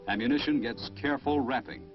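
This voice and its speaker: A man's voice: mid-range voice, quick pace. A man with an American accent reading scripted narration for a military documentary. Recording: dull vintage film soundtrack. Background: prominent music.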